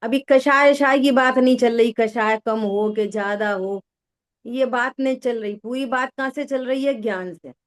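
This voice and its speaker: A woman's voice: on the high side, fairly even intonation, moderate pace. A woman giving a religious discourse to listeners, often asking whether they follow and repeating key words. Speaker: spiritual teacher. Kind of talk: slow religious discourse with listener check-ins.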